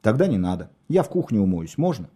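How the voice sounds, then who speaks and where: A man's voice: on the low side, very animated, fast, warm tone, slightly rough. A man voicing a flustered, sheepish police lieutenant. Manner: plain, sheepish.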